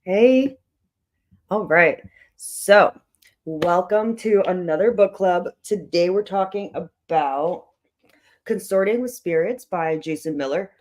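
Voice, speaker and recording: A hoarse book club host with a tired voice, chatting loosely with many fillers while opening an online meeting. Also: mid-range voice, takes it slowly.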